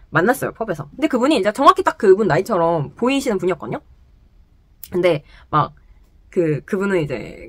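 A young woman telling a personal story to the camera in casual chat, animated and laughing often, in a small indoor room. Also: mid-range voice, dry recording. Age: young adult. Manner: animated, laughs often, gestures while talking. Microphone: camera close in front, sitting.

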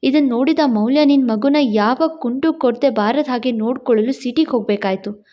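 A woman's voice: a little high, brisk, highs cut off, natural voice. A woman voicing a worried, tearful older mother in a storybook drama, speaking in a pleading, sorrowful way.

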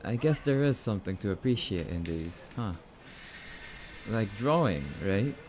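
A man's voice: fairly low pitch, animated, measured pace, a little mellow, a little hiss or hum. A young man playing a jumpy, bashful catboy boyfriend in an ASMR roleplay, stammering and hesitant, bratty but sweet. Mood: soft, tender.

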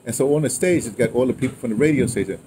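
A medium-pitched American man in his sixties races through casual stories of his years in radio, speaking as a guest. He's animated and digressive, rambling along and regularly adding "right?" and "you know." The recording, made outdoors by a house with a wooden awning, carries clear ambient background noise.

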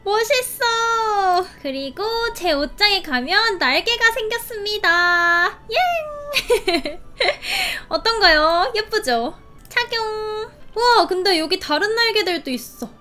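A young woman hosting a casual game play video, gushing and giggling with excited exclamations. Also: extremely high pitch, takes it slowly. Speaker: game channel host. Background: game music.

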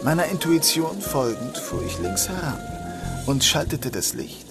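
A man playing a wry, persistent detective inspector in a crime audio drama, measured and dryly teasing. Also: on the high side, big pitch swings, creaky, over loud music, full character voice. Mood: measured, narrating. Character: detective inspector narrating his case, wry, persistent, probing. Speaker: voice actor. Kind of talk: German crime audio drama, first-person narration and dialogue.

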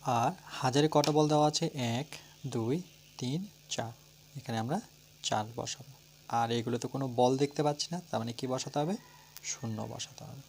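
A man with a Bengali accent teaching a primary-school math lesson. He asks questions and answers them himself, counts slowly aloud and spells words out letter by letter. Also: medium pitch, steady tone, creaky, a little mellow, slight background noise. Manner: talks through steps, asking and answering his own questions.

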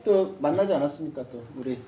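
A man's voice: on the high side, animated, fast talker, dark tone, muffled recording. A man on a casual panel talk show, teasing others in polite, formal speech. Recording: roomy, distant mic, faint noise.

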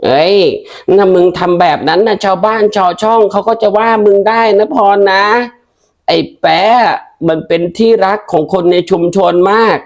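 A woman voicing a coarse, blunt older village auntie who scolds and lectures in rough familiar speech, in a comedy sketch. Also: mid-range voice, moderate pace, natural voice. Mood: lecturing.

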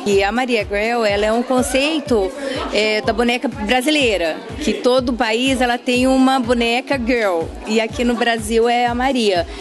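A woman's voice: on the high side, moderate pace. Woman, young, Brazilian Portuguese accent, shop owner, promotional, handheld mic, music behind. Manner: promotional, hesitant fillers. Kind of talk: interview answer. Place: indoor children's clothing stand. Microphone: handheld microphone.

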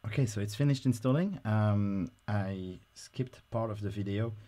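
A man talking through a software install on screen in a casual, explanatory way, with frequent fillers. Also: on the low side, moderate pace. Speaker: software tutorial presenter. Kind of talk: screen-recorded software tutorial.

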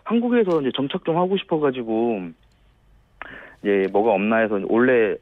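A man's voice: medium pitch, lively intonation, normal speed, no room sound. A man, answering interview questions politely as a phone-in guest. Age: late 30s. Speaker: phone-in guest, small farm owner. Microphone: telephone call. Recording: narrow, tinny phone line.

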